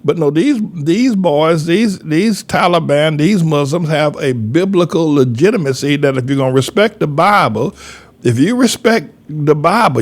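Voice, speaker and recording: An older man preaches in a fairly high voice that swings widely up and down. He hammers his points home by repeating them, in a folksy and emphatic style. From North Carolina, USA. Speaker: pastor. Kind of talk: preaching commentary monologue.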